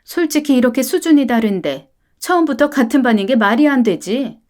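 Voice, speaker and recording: A woman's voice: sits high, animated, brisk, darkish tone. A woman voicing a wealthy, arrogant mother who talks down to others with contempt. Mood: sneering. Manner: sneering, haughty.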